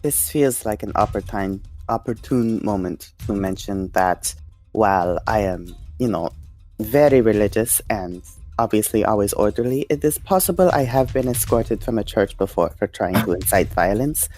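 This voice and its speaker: A man's voice: on the low side, expressive, normal speed, a little mellow, soft background music, natural voice. A man playing a devout female zealot with an earnest, instructive manner in an improvised tabletop game. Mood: sheepish, earnest. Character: devout, orderly female zealot with a violent streak.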